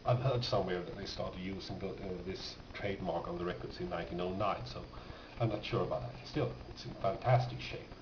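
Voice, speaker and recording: Talking a little fast with hardly any pauses, a low-voiced record collector casually presents his finds. Though quick, he still sounds hesitant and rambling, thinking aloud without a script. It's a noisy, muffled home recording that sounds roomy and far off.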